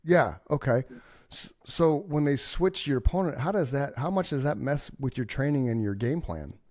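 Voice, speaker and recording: A man in his fifties hosting a casual interview podcast, chatty and quick to laugh, often restarting his sentences. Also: medium pitch, expressive, a little mellow, no echo, clean studio sound. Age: 50s. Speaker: podcast host.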